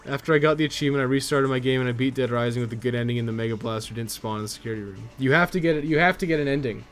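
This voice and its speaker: A man's voice: mid-range voice, very fast, faint music behind. A Canadian man chatting casually and irreverently on a video game live stream, rambling and swearing freely.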